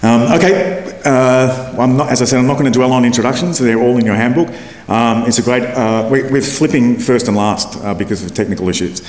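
A man's voice: medium pitch, brisk, hardly any pauses, darkish tone. A man hosting a conference, introducing the next speaker with many hesitant fillers. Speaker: event host. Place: conference hall. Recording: echoey hall with faint noise.

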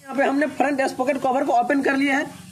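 A man's voice: very high-pitched, little pitch movement, a little fast, noisy background. A man, a bike mechanic walking viewers through a repair step by step and pointing things out as he goes. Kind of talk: how-to repair tutorial. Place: motorcycle workshop.

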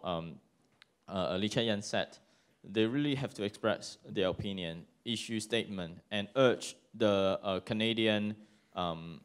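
A man's voice: mid-range voice, clear, resonant tone. A young man from Hong Kong with a Hong Kong accent, speaking earnestly as a panelist. He holds a handheld mic in a conference room before a seated audience. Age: young adult. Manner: earnest, urging, thinking aloud. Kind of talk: panel discussion remarks.

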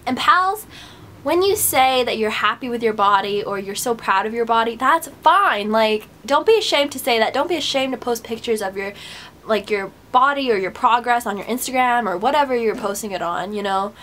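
A young woman with a slightly high voice talks close to her webcam in a small bedroom, sounding a little stuffed up after a run. She rambles along in a bubbly, encouraging way. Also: lively intonation, moderate pace, fairly bright tone, a little hiss or hum. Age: young adult. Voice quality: stuffy nose. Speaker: vlogger. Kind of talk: casual motivational chat to camera.

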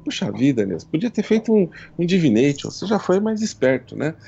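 Guy putting on a playful goddess lady, high and husky, lo-fi stream sound. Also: big pitch swings, fairly quick, warm tone, heavily acted. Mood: teasing. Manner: playful, affectionate teasing. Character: kindly teasing female goddess. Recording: dull lo-fi stream audio.

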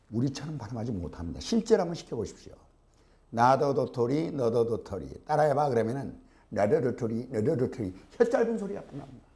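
A middle-aged Korean man teaching English pronunciation in Korean, speaking English with a Korean accent, and drilling phrases slowly and repeatedly with rhetorical questions. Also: on the high side, a little mellow. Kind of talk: lecture with drills.

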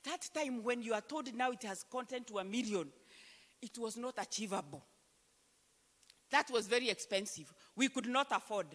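A Kenyan woman pastor preaching a sermon into a handheld mic on a church stage, emphatic and slowing down to read scripture aloud. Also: on the high side, lively intonation, a bit bright. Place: church stage, large hall. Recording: long church hall reverb.

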